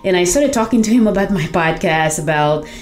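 Low-voiced earnest woman podcaster. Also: lively intonation, brisk, soft background music, rough recording. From Haiti. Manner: earnest, reflective storytelling with frequent fillers. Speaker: podcast host. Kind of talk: personal testimonial.

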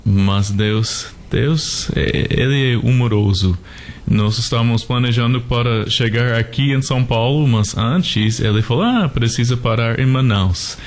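A man from North America, a native English speaker with an American accent, answering haltingly as an interview guest. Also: medium pitch. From North America, United States. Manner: halting, searching for words. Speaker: guest, missionary.

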